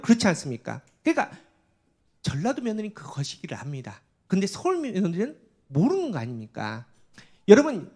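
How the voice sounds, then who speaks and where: A male pastor giving a sermon, often addressing the congregation and acting out prayers and divine speech with rising intensity. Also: high-pitched.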